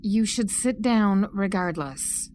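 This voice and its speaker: An actress playing an assured, caring police lie detector, firm and direct, in an audio drama. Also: female voice, mid-range voice, slow, a little mellow, a little hiss or hum, natural voice. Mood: concerned.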